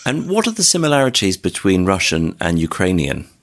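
A man interviewing a guest for local radio, asking questions in a calm way. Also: deep voice, fairly quick.

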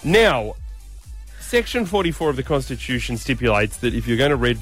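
A man hosting a breakfast radio show, bantering in a deadpan, teasing way. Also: medium pitch, a little fast, faint music behind.

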